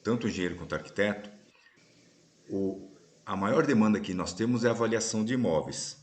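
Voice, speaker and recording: A man's voice: lowish voice, expressive, fairly quick. A man hosting a casual live-stream chat on a video call, explaining things at length and often checking in with his listeners. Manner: explanatory, often ending sentences with "né?". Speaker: host and course instructor.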